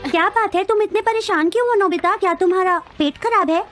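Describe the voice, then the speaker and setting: A sweet young schoolgirl with a very high voice. She sounds caring and concerned, in children's cartoon style. Music plays clearly behind her. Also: fast talker. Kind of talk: Hindi-dubbed children's cartoon acting.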